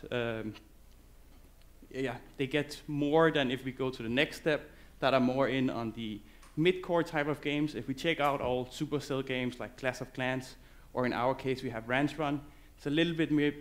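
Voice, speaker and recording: Male conference speaker, English, loose and halting on stage. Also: mid-range voice, steady tone. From Denmark. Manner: loose, halting delivery with many fillers and restarts. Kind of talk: conference presentation.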